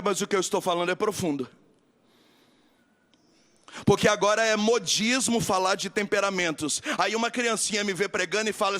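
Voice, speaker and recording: A man with a Brazilian Portuguese accent preaching a sermon, emphatic and repetitive, building to shouted refrains. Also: sits high. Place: large church camp gathering.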